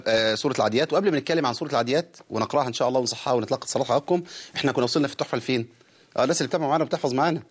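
Egyptian man, Quran recitation teacher, broadcast lesson, chants verse slowly, firm explanations. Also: mid-range voice. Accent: Egyptian Arabic.

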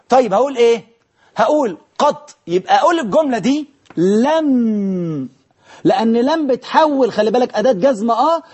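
A man's voice: very high-pitched, darkish tone, husky. A man with an Egyptian accent teaching grammar on a broadcast lesson, asking questions and answering them himself with playful scolding. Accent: Egyptian Arabic.

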